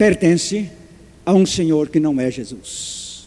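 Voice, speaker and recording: A man's very slow delivery with lively intonation. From Brazil, interior of São Paulo state. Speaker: Baptist pastor. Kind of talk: sermon.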